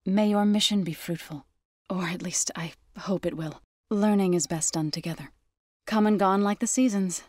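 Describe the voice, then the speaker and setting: A woman's voice: mid-range voice, a little mellow, no room sound, natural voice. Zo, earnest tribal warrior woman played by an actress, dry sound. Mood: calm, friendly. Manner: measured, formal, earnest phrasing. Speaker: video game voice actor. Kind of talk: game character voice lines.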